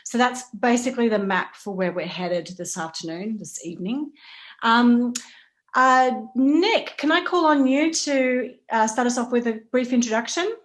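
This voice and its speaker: A woman's voice: on the high side, lively intonation, measured pace. A woman moderating an online panel in an informal, conversational style over a video call.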